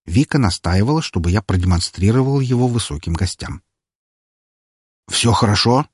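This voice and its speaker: Low, husky male audiobook narrator. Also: expressive, fairly quick, dark tone, no echo, studio quality. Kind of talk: first-person fiction narration.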